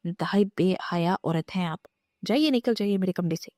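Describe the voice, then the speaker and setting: A woman's voice: on the low side, warm tone, no room sound, studio quality, natural voice. A woman voicing a proud, rude young husband in a storybook reading, speaking in a cold, cutting, bitter way.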